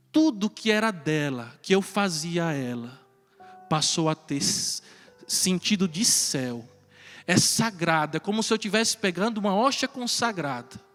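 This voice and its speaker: A man, a priest telling a personal story in a sermon, animated and then hushed for tender moments. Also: high voice. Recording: reverberant church hall with faint music.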